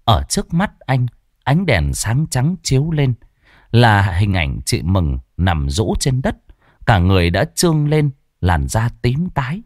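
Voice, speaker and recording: A man narrating a ghost story in a dramatic, expressive way. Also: medium pitch, a little slow, dry recording, clean studio sound.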